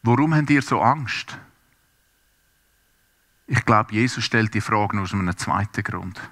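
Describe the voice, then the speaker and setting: A man delivers a sermon in a bright, forceful voice. He talks earnestly and turns straight to his listeners, as if to each one of them. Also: on the low side, expressive, a little slow. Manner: earnest, speaks directly to listeners. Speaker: preacher. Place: church service, also streamed to homes.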